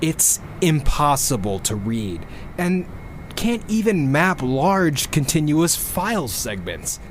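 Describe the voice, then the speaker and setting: A man's voice: on the high side, big pitch swings, slow, a little hiss or hum. A man playing a geeky, exasperated rocket programmer who rambles and swears through a casual audio log in a sci-fi drama. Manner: rambling, self-interrupting, swearing.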